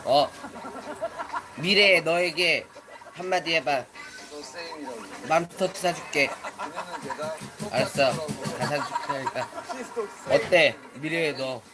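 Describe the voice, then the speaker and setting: A woman's voice: deep voice, slow, pauses often. A woman in her twenties streaming and scolding younger players in a bossy big-sister way, swearing as she talks. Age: 20s. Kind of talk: live stream chat with players. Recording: music playing loudly under the voice.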